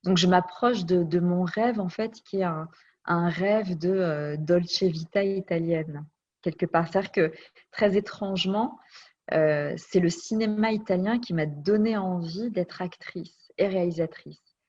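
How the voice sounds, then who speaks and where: A woman's voice: fairly low pitch, a little slow, a little mellow. A woman telling her life story as an interview guest. She speaks reflectively and searches for her words. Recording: dull lo-fi recording.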